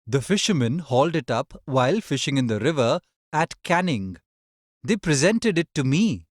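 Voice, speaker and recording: A woman's voice: deep voice, big pitch swings, normal speed, no echo, studio quality, pitched below the performer's own voice. A woman doing a hearty, stubborn dad. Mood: cheerful. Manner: hearty, confident. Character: jolly, stubborn middle-aged father.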